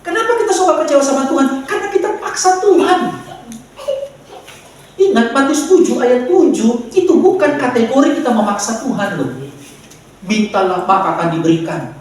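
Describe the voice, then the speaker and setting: A man's voice: extremely high pitch, animated, fairly quick, a little mellow. A man with a Medan accent preaching a sermon to a church, joking with the congregation. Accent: Medan Indonesian. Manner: joking, playful preaching with audience asides. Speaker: pastor. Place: large church hall. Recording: very echoey hall, mic far off.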